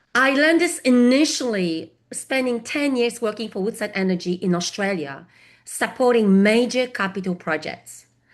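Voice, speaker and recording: Against a quiet background, a woman with a Polish accent speaks at a moderate pace with lively intonation. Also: fairly high pitch for a woman. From Poland. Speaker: business consultant and webinar presenter. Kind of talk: webinar presentation. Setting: online webinar.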